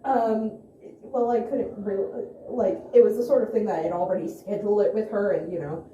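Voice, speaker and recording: A woman playing an awkward, hesitant young amateur investigator who talks haltingly in a found-footage vlog. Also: medium pitch, fairly even intonation, warm tone, lo-fi sound, natural voice. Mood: hesitant, earnest. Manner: halting, hesitant, full of restarts. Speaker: video host and interviewer. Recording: roomy echo, faint noise, handheld camera.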